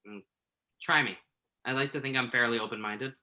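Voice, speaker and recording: Man playing a hesitant, bright-voiced journalist. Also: medium pitch, fairly even intonation, low-quality recording. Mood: probing, frank. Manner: hesitant, halting. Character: Tuck, conflicted entertainment journalist man hiding his identity. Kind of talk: virtual staged play reading, naturalistic dialogue.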